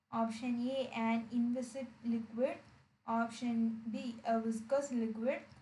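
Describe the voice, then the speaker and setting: Speaking very slowly, a woman with a fairly high pitch and a dark, mellow tone keeps a monotone, flat intonation amid audible room echo. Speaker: teaching assistant. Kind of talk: tutorial.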